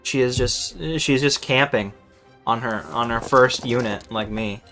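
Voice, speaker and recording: Male streamer, mid-pitched, casual and exasperated, swears freely, stammers when flustered, music behind. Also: fairly even intonation, measured pace, pushed and bright. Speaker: game streamer. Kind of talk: casual live gameplay commentary. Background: game music.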